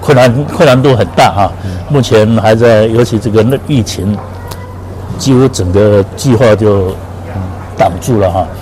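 Over noticeable background noise, a man with a fairly low pitch talks at a fairly slow pace, using ordinary pitch variation and long, frequent pauses. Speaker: association chairman. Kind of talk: interview.

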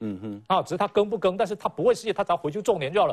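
Recorded with a dry, close sound and no echo, a man speaks at a high pitch with very wide pitch swings. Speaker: political commentator. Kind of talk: TV political talk show panel.

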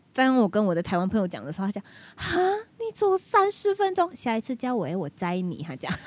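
A woman talks at a fairly quick pace in a fairly high pitch, her voice making very wide pitch swings. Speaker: former overseas student. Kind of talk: casual chat.

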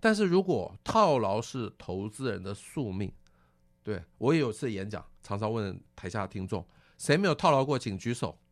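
Lively intonation marks a man's plain, everyday voice at a moderate pace. The recording is very clean, with a silent background. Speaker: financial author and investment educator. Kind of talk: interview.

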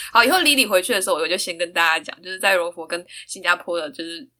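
A woman's fairly low-pitched, bright and sharp voice at a very fast pace, with ordinary pitch variation. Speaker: podcast host. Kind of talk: casual chat.

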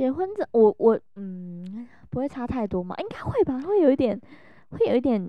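A woman's high-pitched voice with very wide pitch swings, big swings in loudness and a moderate pace. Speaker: podcast co-host. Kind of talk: casual chat.

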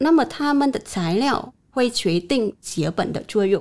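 Speaking at a fairly slow pace, this woman is easy to follow. She has a Vietnamese accent. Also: very clean recording, silent background. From northern Vietnam, Nam Dinh province. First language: Vietnamese (speaking Chinese). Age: young. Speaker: doctoral researcher in history archives. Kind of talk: interview.

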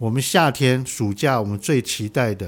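This man has a Taiwanese accent, a medium pitch and ordinary pitch variation. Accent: Taiwanese Mandarin. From Taiwan, Taipei. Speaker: substitute radio host. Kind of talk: radio talk show.

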